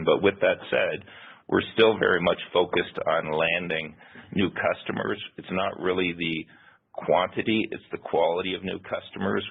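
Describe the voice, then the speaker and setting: A man with a gravelly, husky voice speaking as a company finance executive on an earnings call. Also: sits low. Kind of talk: earnings call remarks and answers. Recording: tinny phone-line conference call audio.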